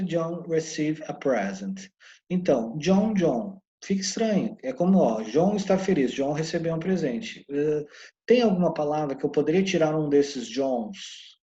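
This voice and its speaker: A Brazilian-accented man giving an English lesson in a soft, mellow voice. He explains patiently and slows right down to sound out each English word. The audio is somewhat dull and lo-fi. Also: a little high. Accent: Brazilian Portuguese. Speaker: English teacher.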